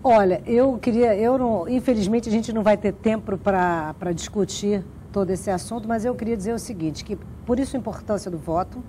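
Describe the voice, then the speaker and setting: A woman's voice: mid-range voice, dark tone, slight background noise. A woman hosting a conversational interview, often breaking off and rephrasing as she goes. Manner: halting, self-interrupting. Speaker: programme host.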